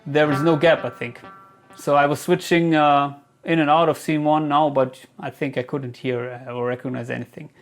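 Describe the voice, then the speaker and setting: Hesitant, higher-voiced man reviewing guitar gear. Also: little pitch movement. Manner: hesitant, halting, thinking aloud. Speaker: guitar gear reviewer answering viewer questions. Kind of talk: casual product Q&A talk.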